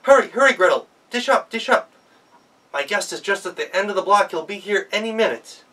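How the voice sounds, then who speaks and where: A man voicing a fussy, excitable household master from a folktale, with an emphatic, commanding manner. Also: high voice, a little fast, far from the mic, pitched above the performer's own voice, full character voice. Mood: frantic.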